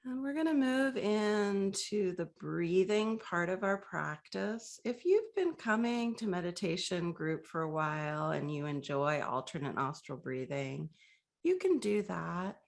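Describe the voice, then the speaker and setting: A woman leading a guided breathing meditation, speaking softly and gently with long, inviting pauses. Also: fairly low pitch, lively intonation, vocal fry.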